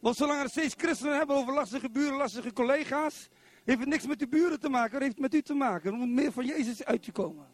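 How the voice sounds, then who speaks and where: A middle-aged man from Zwolle preaching a sermon in church, animated and constantly putting questions to the congregation. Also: extremely high pitch, quick pace. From Netherlands, Zwolle.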